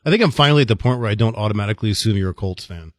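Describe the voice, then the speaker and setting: A middle-aged man hosting a podcast, chatting casually and gently ribbing his guest. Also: lowish voice, animated, racing, no echo, clean studio sound. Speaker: podcast host. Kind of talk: casual interview chat.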